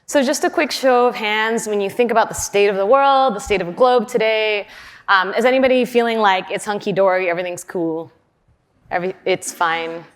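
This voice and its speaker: A woman in her forties, raised in Western Canada, giving a conference keynote in a chatty way with fillers and laughs. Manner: chatty, with fillers and laughs, lively pitch swings. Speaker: conference speaker. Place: large conference hall.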